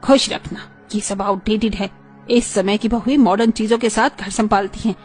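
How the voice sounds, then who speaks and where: A woman voicing a snobbish, modern middle-aged mother-in-law who talks in a sharp, dismissive way. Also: medium pitch, steady tone, moderate pace, soft background music, natural voice. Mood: irritated.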